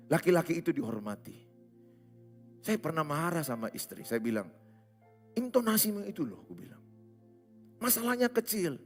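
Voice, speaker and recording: A man from Indonesia, preaching a humorous sermon as a pastor, often acting out little dialogues. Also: on the high side. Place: church stage.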